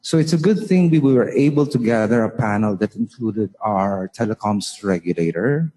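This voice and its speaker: Man, mellow husky voice, measured conference remarks, orderly phrasing. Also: on the low side, expressive. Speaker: panel representative reporting from a local chapter. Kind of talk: prepared remarks to an online conference. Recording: echoey hall with long reverb.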